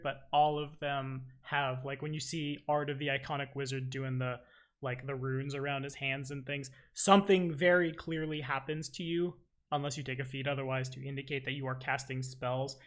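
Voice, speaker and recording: A man's voice: medium pitch, fairly even intonation, moderate pace. A man speaking as game master, casually narrating and refereeing a tabletop game.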